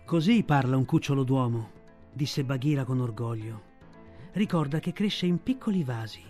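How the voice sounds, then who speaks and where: A man's voice: medium pitch, lively intonation, moderate pace, darkish tone, soft background music, close to an everyday voice. A man reading the part of a black female panther, speaking tenderly and proudly in an audiobook. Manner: tender, grave storytelling tone.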